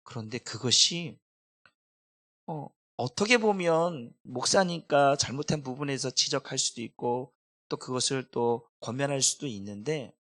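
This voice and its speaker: Middle-aged pastor guy preaching, bright ringing voice, goes from loud outbursts to soft confessing. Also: mid-range voice, animated, unhurried. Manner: emotional preaching, swinging between loud cries and soft confession. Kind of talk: sermon.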